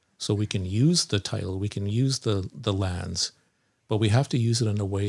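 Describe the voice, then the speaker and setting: A man speaks with a Canadian accent. His voice is somewhat breathy and fairly low in pitch. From Vancouver Island, British Columbia, Canada. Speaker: lawyer and former First Nations chief. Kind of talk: casual interview. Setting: video call.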